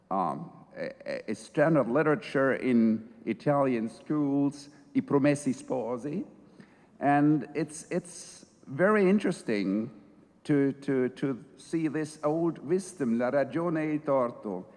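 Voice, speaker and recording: Middle-aged male judge giving a conference talk, unhurried and hesitant, reverberant hall. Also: medium pitch, lively intonation, a little mellow. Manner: slow, thoughtful, hesitant with fillers. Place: large lecture hall.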